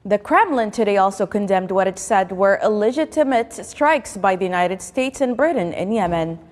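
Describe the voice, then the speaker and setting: A woman's voice: mid-range voice, expressive, moderate pace, big-room sound. A woman news presenter reading a formal, scripted news bulletin.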